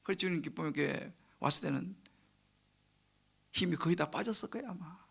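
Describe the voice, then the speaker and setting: A middle-aged male pastor preaching a sermon in church, telling stories lively, acting out prayers and dropping from loud bursts to hushed near-whispers. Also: a little high, fairly quick, vocal fry, breathy edge. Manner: animated storytelling, acts out quoted prayers and crying. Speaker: senior pastor. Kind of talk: sermon at a midweek service. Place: church sanctuary.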